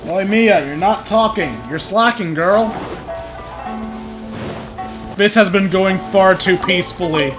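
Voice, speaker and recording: A man's voice: sits high, slow, long pauses, poor audio. A man giving casual, playful let's play commentary, talking back to the game. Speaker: gamer commentating on a playthrough. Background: game music.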